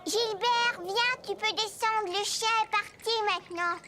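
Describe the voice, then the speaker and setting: Very high-pitched eager little boy. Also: measured pace, heavy background noise. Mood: coaxing. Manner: eager, childlike, simple phrasing. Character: cheerful, curious four-year-old boy. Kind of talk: children's cartoon voice acting.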